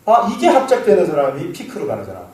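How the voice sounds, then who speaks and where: A man giving a classroom lecture on fortune-telling, lively and quizzing his students, laughing now and then. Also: a little high, fast talker. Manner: animated, asks students questions, laughs. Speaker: saju lecturer. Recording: roomy echo, mic far off, faint noise.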